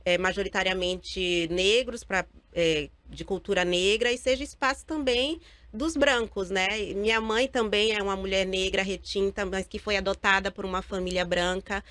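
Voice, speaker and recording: A woman's voice: mid-range voice, fairly even intonation, normal speed, a bit bright, dry recording. Female interview guest from Bahia, Brazilian accent, mid-range voice, very dry recording. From Salvador, Bahia, Brazil. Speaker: guest, lawyer and activist. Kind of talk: personal interview talk.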